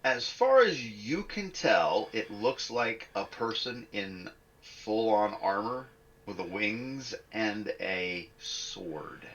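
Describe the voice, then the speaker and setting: Slow, halting male game master. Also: on the low side, lively intonation, a bit bright, lo-fi sound. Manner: halting, pauses while searching for words. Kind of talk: narrating a tabletop role-playing game.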